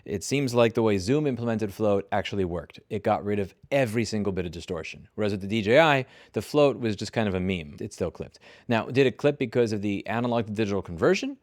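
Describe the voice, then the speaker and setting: A man with an American accent testing microphones, talking bluntly with swearing, his voice going hoarse from yelling. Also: lowish voice, expressive, quick pace, few pauses, no echo, clean studio sound. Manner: blunt, profane, swings into shouted test phrases. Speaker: host. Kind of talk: opinionated gear review and mic test. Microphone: close mic, about a fist from the mouth.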